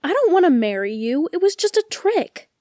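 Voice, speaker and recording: A woman's voice: very high-pitched, sing-song, normal speed, mellow, no room sound, studio quality. A woman playing a feisty young lady knight in an audio fantasy comedy, indignant and no-nonsense. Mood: exasperated. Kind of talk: audio fiction comedy acting.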